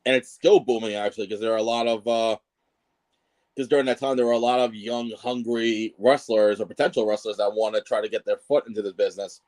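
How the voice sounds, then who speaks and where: A man's voice: on the low side, steady tone, brisk, a little mellow. A man speaking as a guest ring announcer in a casual wrestling chat, emphatic and repeating words to press his point.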